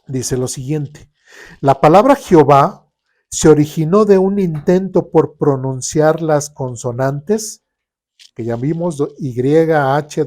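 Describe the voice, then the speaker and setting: Mellow-voiced man teaching a Bible class, chatty and asking the class if they follow. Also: fairly high pitch. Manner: conversational, checks in with the class often. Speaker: Sunday school teacher. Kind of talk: informal Bible class lecture. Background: class recorded in a church room.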